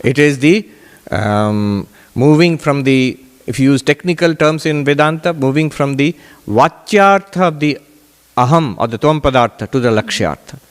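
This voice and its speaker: A man teaching as a Hindu monk, answering questions in a deliberate, emphatic way with repeated phrases. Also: mid-range voice. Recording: echoey hall with long reverb.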